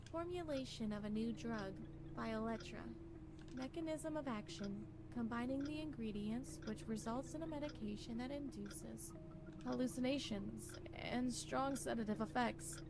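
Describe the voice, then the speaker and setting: A woman's voice: a little high, background noise. A woman acting out a troubled, suspicious wife from a horror visual novel, with theatrical delivery. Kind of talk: reading visual novel dialogue dramatically.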